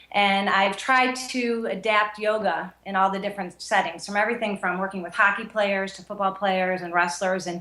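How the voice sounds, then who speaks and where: A woman talks with hardly any pauses and fairly even intonation, her loudness swinging widely over noticeable background noise. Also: medium pitch for a woman. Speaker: yoga instructor. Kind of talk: interview. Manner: fast.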